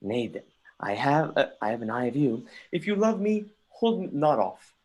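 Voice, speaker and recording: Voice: mid-range voice, big pitch swings, moderate pace, darkish tone. An actor reading a melancholy, theatrical young prince. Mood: probing. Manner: theatrical, declamatory, with occasional stumbles. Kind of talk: dramatic reading of Shakespeare. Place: remote livestream from home.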